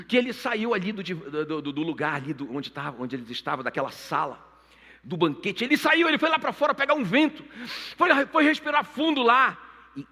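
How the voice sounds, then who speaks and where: A pastor preaching with lively storytelling, turning to his listeners again and again. His voice is bright and sharp, swinging widely in pitch. It rings through a church hall with a long reverb and faint music behind. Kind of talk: sermon.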